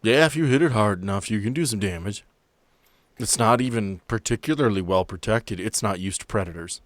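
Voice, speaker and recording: Male game master, slightly deep voice, dry close recording, loose teasing tabletop narration. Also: brisk, no echo. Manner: casual, sweary, teasing.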